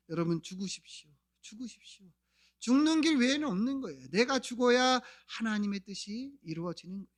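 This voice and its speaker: A man with a high voice delivers a sermon as a pastor. He speaks straight to the congregation, asks rhetorical questions, and acts out pleading cries with growing force. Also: fairly bright tone. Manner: dramatic retelling, voicing cries with rising intensity; addresses congregation directly, frequent rhetorical questions.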